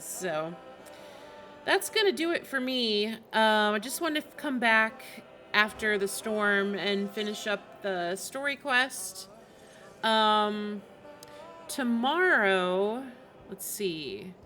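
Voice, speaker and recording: A woman streamer talks casually at a medium pitch over game music. She rambles informally and thinks out loud as she plays. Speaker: video game live streamer. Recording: music behind the voice. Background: video game music.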